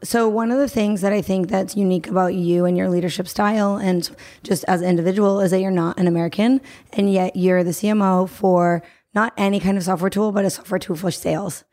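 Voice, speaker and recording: A woman's voice: medium pitch, fairly even intonation, fairly quick, dark tone. A woman hosting a podcast interview, conversational as she asks thoughtful questions. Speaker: podcast host.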